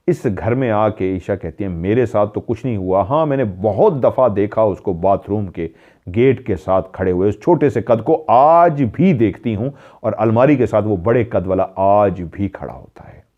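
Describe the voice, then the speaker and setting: Low-voiced male storyteller, lo-fi. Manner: dramatic retelling, mimicking calls in a raised voice. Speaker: paranormal story narrator. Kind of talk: storytelling narration. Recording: dull lo-fi sound.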